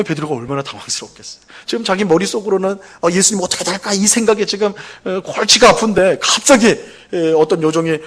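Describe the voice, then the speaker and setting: A man's voice: on the high side, fairly bright tone. A man preaching a Sunday sermon as pastor, asking the congregation questions and acting out the quoted lines. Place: church sanctuary.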